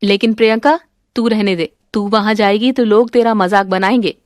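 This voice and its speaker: A woman's voice: mid-range voice, fairly even intonation, moderate pace, darkish tone, no echo, clean studio sound, voice pushed down, lightly acted. A woman voicing a strict, commanding mother-in-law who scolds her daughter-in-law. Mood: stern.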